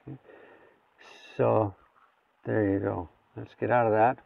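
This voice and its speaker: A man's voice: lowish voice, fairly even intonation, measured pace, gravelly, recorded from a distance. A man giving a casual hands-on gadget demonstration, talking through each step aloud in an informal way. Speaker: gadget reviewer. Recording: phone-like, thin sound, off the mic.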